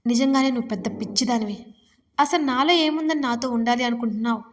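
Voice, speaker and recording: An angry, stubborn young husband who scolds in short, impatient bursts, read by a woman narrator. The audio story keeps him close to her own higher voice. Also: fast, big-room sound, close to an everyday voice.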